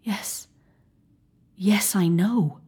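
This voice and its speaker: A woman's voice: mid-range voice, animated, normal speed, darkish tone, husky. Woman voicing a shaken Irish surgeon. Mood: agitated. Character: shaken Irish surgeon, adult man, proud and nervous.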